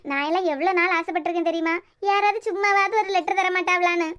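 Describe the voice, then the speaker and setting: A chatty young cartoon wife with a very high, quick voice, played by a performer. She teases and wheedles without letup, and her words tumble out fast. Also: fairly even intonation, bright, forceful tone. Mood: teasing. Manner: teasing, wheedling, talkative. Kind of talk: cartoon voice acting.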